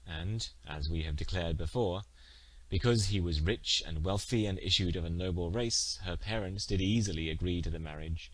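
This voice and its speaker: Low-voiced man narrating an old tale. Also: a bit bright, dry recording, poor audio. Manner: formal, measured storytelling. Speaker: audiobook narrator.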